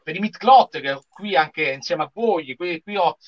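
A man's voice: on the high side, expressive, normal speed. A man, chattily hosting a casual livestream with enthusiasm. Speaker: live show host. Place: small indoor room with shelves of figurines. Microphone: video call. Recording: dull lo-fi video-call audio.

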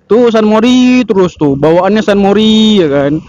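A man's voice: high-pitched, expressive, normal speed, a little mellow. A young man, joking and rambling playfully while riding a motorcycle outdoors. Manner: joking, playful, self-mocking. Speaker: motovlogger. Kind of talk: rambling comic motovlog chat. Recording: muffled helmet mic with wind noise.

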